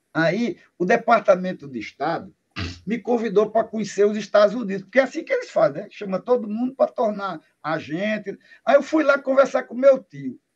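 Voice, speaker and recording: A man at a high pitch, with lively intonation, a moderate pace and big swings in loudness. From Brazil, Natal (Rio Grande do Norte). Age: 60s. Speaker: human rights activist and TV channel coordinator. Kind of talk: panel discussion. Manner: halting, with many repetitions.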